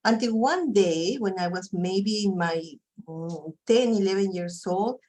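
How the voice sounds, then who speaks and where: A woman's voice: mid-range voice, unhurried, darkish tone. A woman from Peru with a thick Peruvian Spanish accent, leading an online training session in a conversational way with many fillers. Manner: conversational, frequent "you know" fillers.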